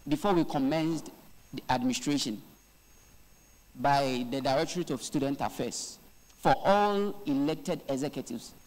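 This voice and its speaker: A young man with a Ghanaian English accent, the financial secretary of a student parliament, speaking formally with some halting. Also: on the high side, darkish tone, long reverb tail, low-quality recording. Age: young adult. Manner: measured, formal, slightly halting.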